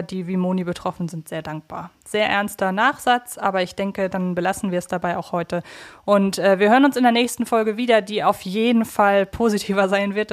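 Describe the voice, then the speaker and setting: Female podcast co-host, medium pitch, reflective and conversational. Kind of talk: casual conversational podcast discussion.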